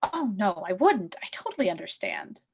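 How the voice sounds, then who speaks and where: A woman's voice: mid-range voice, wildly swooping pitch, normal speed, husky, full character voice. A woman playing an eager, smitten best friend in a romantic comedy table read. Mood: reassuring.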